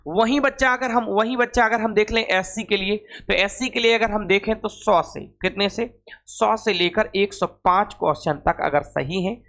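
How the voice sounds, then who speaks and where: Male coaching teacher, fairly high voice, informal explanatory lesson, familiar address to students, emphatic repetition. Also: a bit bright. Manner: repeats phrases and figures for emphasis. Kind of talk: informal lesson, explaining exam cut-offs.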